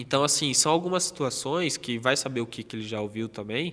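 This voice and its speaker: A man speaks in a normal speaking voice at a medium pitch, with lively intonation. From São Paulo, West Zone favela. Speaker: financial educator, content creator. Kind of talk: casual interview.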